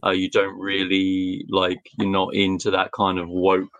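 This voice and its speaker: A man from Britain, co-hosting a casual chat from a video call and talking in a relaxed, rambling way. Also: low voice, unhurried, no echo, dull audio. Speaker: co-host.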